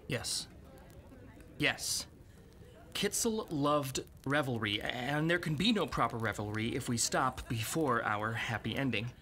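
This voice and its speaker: A man's voice: medium pitch, lively intonation, measured pace, bright, forceful tone. An actor playing an earnest, grieving young village man in an audio drama, speaking in a wordy, dramatic way. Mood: wistful, earnest.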